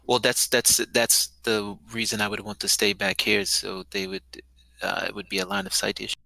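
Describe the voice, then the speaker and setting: A man playing a tabletop game, talking through tactics casually in a hesitant, halting way. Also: on the low side, steady tone, creaky, pushed and bright, dry recording, poor audio.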